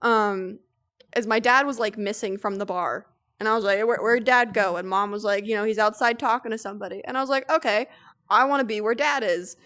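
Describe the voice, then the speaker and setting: A young woman co-hosting a casual stream, reading posts aloud and telling stories with lively, profane energy. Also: medium pitch, fairly quick. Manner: animated storytelling, swears freely. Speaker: streamer, co-host.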